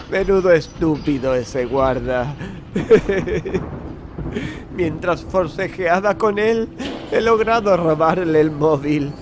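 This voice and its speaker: An actor playing a deranged, obsessive patient in an audio drama, frantic and theatrical. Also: male voice, high-pitched, animated, extremely slow, background noise, exaggerated voice. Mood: gleeful muttering. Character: deranged, obsessive male asylum patient craving horror.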